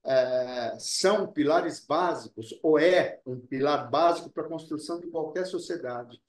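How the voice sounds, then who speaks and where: A man being interviewed as an actor, talking earnestly and deliberately, often repeating words as he searches for them, and Italian was his first language. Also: fairly high pitch, roomy sound. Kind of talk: reflective interview talk.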